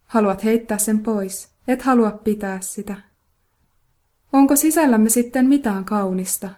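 A woman reading a Buddhist teaching aloud in a calm, measured way, often asking rhetorical questions. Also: mid-range voice. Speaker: reader of a Buddhist talk. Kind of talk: scripted narration of a dharma teaching.

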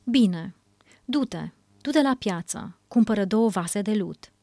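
Woman reading a wise male teacher, calm and patient, dry close sound. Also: mid-range voice, dry recording, close to an everyday voice. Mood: instructing.

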